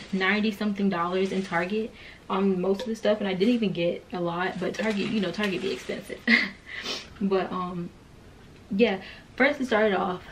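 A woman's voice: medium pitch, a little hiss or hum. A woman vlogging in a casual, rambling chat, a bit out of breath. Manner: chatty, rambling, quick bursts.

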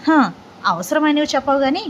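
A woman voicing a calm, sarcastic young man who needles his cousin in an audio story. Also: sits high, fairly quick, slight background noise, pitched above the performer's own voice. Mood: needling.

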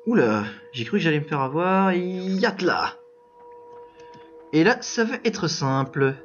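Guy doing let's play commentary, high bouncy voice, keeps yelling at the laggy game, kinda muffled lo-fi mic. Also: animated, slow pace, faint music behind. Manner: exclamatory, frustrated outbursts at a lagging game. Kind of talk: casual gameplay commentary.

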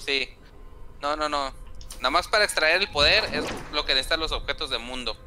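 A man chatting casually while playing a game, often restarting sentences and trailing off on drawn-out fillers. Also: fairly high pitch, animated, slight background noise. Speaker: gamer streaming gameplay. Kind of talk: casual gameplay chat.

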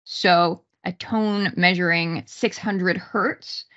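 A woman giving an explanatory online lecture, speaking haltingly with pauses mid-sentence over a video call. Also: fairly low pitch, fairly even intonation, a bit bright, highs cut off. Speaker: university psychology lecturer. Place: small room indoors, on a video call.

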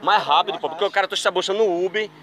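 A man hosting a street prank video, talking quickly and insistently as he presses strangers. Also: sits high, crowd noise. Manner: insistent, pleading, fast-talking. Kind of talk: street prank, persuasive chatter. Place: outdoors on a city street. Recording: street noise from passing cars. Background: traffic noise.

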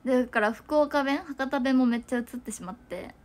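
A woman's voice: high voice, a little fast. A young woman chatting casually to viewers on a livestream, giggling and rambling with lots of fillers. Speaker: idol livestreamer.

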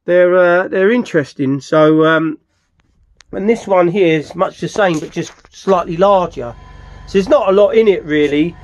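A man's voice: high voice, moderate pace, lo-fi sound. A middle-aged British man giving a casual, rambling hands-on walkthrough as a restorer, correcting himself as he goes. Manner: informal, rambling, self-correcting. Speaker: furniture restorer presenting his project. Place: cluttered indoor wooden workshop. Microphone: handheld camera mic, speaker behind camera.

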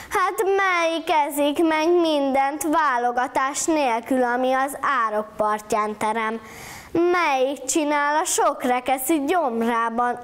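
A woman reciting a monologue as a proud, boastful house goat, mock-indignant. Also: high voice.

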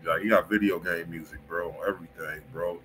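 Male American livestream host, low voice, casual and slangy, clear background noise behind him. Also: steady tone, fairly quick, pushed and bright. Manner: slangy, peppered with "bro" and filler repeats. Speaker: host of a music review livestream.

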